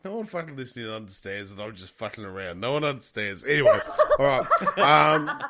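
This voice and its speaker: A man's voice: medium pitch, expressive, a little fast, background noise. An Australian man co-hosting a podcast, rambling, laughing and swearing through casual banter. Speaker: podcast co-host.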